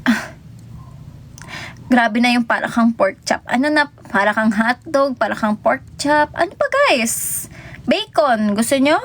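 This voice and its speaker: A young woman with a Filipino accent talks to her livestream viewers from her phone. Her voice sits high and swoops widely, and she takes her time. She is chatty and giggly, and greets people by name as they come in. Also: expressive, a little slow, slight background noise. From Philippines. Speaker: idol livestreamer. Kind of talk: casual livestream chat.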